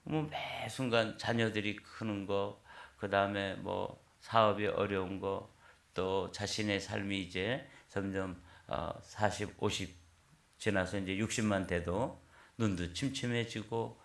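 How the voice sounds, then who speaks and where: A man's voice: on the low side, steady tone, a little slow, vocal fry. A man in his sixties, a pastor, preaching an early-morning sermon in a conversational storytelling way, recorded in an echoey church. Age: 60s. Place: church sanctuary.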